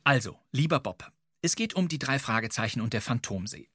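A man's voice: medium pitch, animated, fairly quick, sharp tone, breathy edge, no echo, studio quality. A man narrating a podcast segment from a script, wry and playful, addressing the listener directly. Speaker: podcast co-host.

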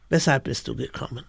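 An actress voicing an old woman who sees grave warnings in her dreams, speaking in a hushed, held-back way. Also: rumbling low, gravelly, breathy edge, no room sound, studio quality, full character voice. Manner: hushed, restrained. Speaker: radio drama actress.

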